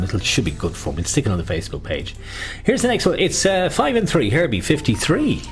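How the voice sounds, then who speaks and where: Lively, low-voiced man calling bingo. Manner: chatty, jokey, drawn-out number calls with nicknames. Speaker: bingo caller and host. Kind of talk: bingo caller patter in a live online game.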